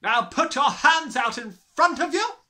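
Casting: monstrous storybook headmistress. High, forceful bark, slow contemptuous emphasis, bullying temper. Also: male voice, expressive, exaggerated voice. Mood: menacing. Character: gigantic, tyrannical, disgusted middle-aged headmistress, barking and contemptuous.

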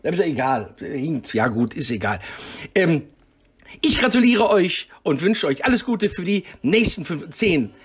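Muddled husky man with swooping pitch. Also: sing-song, a little slow, fairly bright tone. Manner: muddled, self-interrupting, muttering asides to himself. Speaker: guest giving a congratulatory message. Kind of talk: rambling comedic monologue.

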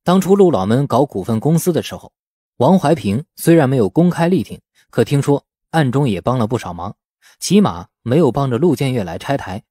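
A man's voice: mid-range voice, big pitch swings, brisk, warm tone, slightly rough, no room sound, clean studio sound. A man narrating a novel as a scripted audiobook in a storytelling style.

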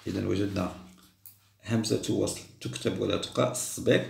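A man teaching a primary school Arabic lesson, patiently repeating words slowly for young pupils. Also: fairly low pitch, fairly even intonation, gravelly, darkish tone, roomy sound, a little hiss or hum. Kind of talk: explaining a second-grade Arabic test.

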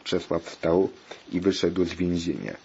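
A man's voice: low voice, animated, measured pace, creaky, darkish tone. A man reading a homemade story aloud in a plain, repetitive way, on a dull lo-fi recording with faint hiss.

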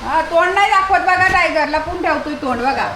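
A woman's voice: moderate pace, crowd noise, poor audio. A woman filming a casual vlog, talking to the camera and scolding and cooing at her pet dogs outdoors on a handheld phone. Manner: scolds and coos at dogs in a high, lively voice. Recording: loud dog barking and outdoor noise.

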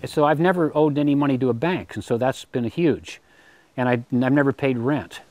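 A man in his eighties giving a relaxed, rambling tour of his homestead, often repeating words while he thinks, on a lapel mic with faint background noise. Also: mid-range voice, moderate pace. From United States. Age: 80s. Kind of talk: casual tour talk. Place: outdoor garden and home pantry.

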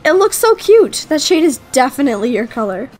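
A woman's voice: high voice, big pitch swings, brisk, darkish tone. A woman playing an outspoken, protective teenage girl, blunt and emphatic, in a game roleplay drama. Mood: supportive. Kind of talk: acted Roblox roleplay drama.

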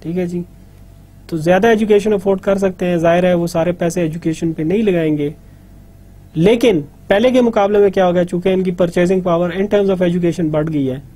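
Middle-aged man, South Asian accent, native Urdu speaker, lecturer, high-pitched for a man, soft mellow tone, explanatory. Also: steady tone, rapid-fire. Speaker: university lecturer. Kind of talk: lecture explaining a diagram while drawing. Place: studio, indoors.

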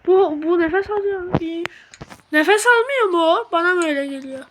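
A woman's voice: very high voice, normal speed, slight background noise. A woman commenting on a horror game as she plays. She swears, mutters prayers when scared and shrieks when startled. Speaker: gamer.

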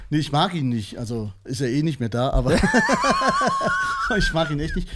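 A man's voice: fairly high pitch, wildly swooping pitch, a little slow, heavy background noise. A man from southern Thuringia with a slight East German accent, a comedian guest joking and laughing often in casual podcast chat in a small studio. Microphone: desk mic with headphones.

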